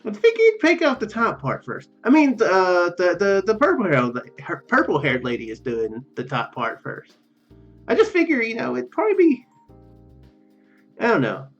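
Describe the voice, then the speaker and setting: Reading game text aloud, the let's play host stops and starts, rambling and correcting himself as he goes. His voice is slightly high and very lively, and the sound is muffled with game music in the background of his casual commentary.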